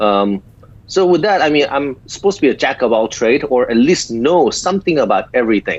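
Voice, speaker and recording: Speaking at a fairly quick pace, a man with a slight Korean accent and a fairly high pitch makes very wide pitch swings. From South Korea. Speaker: physician. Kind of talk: interview. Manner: halting, many fillers.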